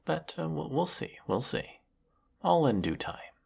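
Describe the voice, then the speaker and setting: Casting: male actor as evil space emperor for audio drama, husky and unhurried, cruel, theatrical, secretly lonely, formal villain delivery. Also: big pitch swings, darkish tone, full character voice. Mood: soft, coaxing. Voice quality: gravelly, husky, low. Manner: measured, theatrical, menacing, formal villainous drawl. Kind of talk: scripted sci-fi audio roleplay monologue.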